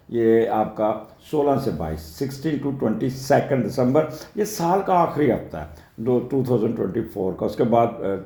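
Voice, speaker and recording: A man's voice: mid-range voice, creaky, dark tone, echoey room. An older man from Pakistan with a Lahore Urdu accent, giving a chatty weekly horoscope talk that rambles into anecdotes and drops in English phrases. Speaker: astrologer.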